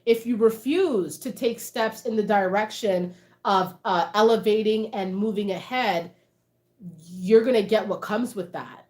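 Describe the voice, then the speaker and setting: A woman's voice: mid-range voice, unhurried, a little mellow. A woman, chatting casually with livestream viewers, reading out their comments and laughing often. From Canada. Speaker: livestream host.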